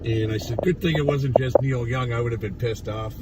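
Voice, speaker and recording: A raspy, hoarse man rambles bluntly on a livestream, swearing freely as he talks. He sits in his truck, recorded on a phone held a little away from him. The rumble of passing traffic runs steadily behind his voice. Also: a little fast, distant mic. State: hoarse from yelling. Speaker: livestreamer at a protest. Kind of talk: casual ranting livestream. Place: inside a parked truck.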